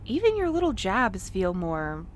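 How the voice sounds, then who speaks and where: A woman's voice: medium pitch, wildly swooping pitch, unhurried, a little hiss or hum. A woman playing a prim, well-meaning courier in an audio drama, speaking in an earnest, careful, businesslike manner. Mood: probing. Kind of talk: naturalistic audio drama acting.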